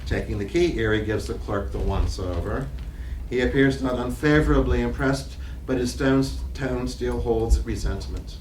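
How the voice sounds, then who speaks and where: A man reading stage directions aloud as narrator at a live play reading, in a measured, literary way. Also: medium pitch, darkish tone. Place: library reading room. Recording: echoey room, distant mic, faint noise.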